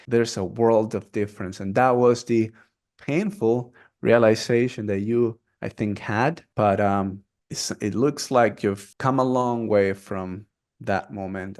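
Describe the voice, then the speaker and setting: Upbeat male podcast host, lowish voice. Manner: energetic, encouraging.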